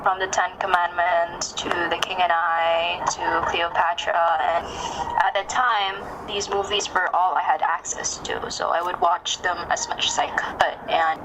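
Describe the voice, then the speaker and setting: A woman being interviewed as a podcast guest, speaking conversationally in a polite, reflective, measured way. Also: lowish voice, level tone, noisy background.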